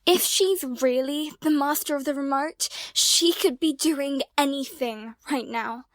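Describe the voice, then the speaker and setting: Casting: suspicious twin sister played by a woman, high, insistent, dry sound, audio drama. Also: unhurried, dry recording. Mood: wary. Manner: worried, insistent.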